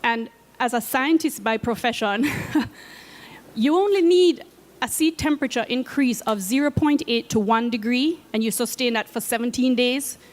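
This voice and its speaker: A woman with a Jamaican accent giving a prepared talk as a program head, earnest and measured. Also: fairly high pitch, long reverb tail. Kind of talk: prepared presentation. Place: event space at a conference.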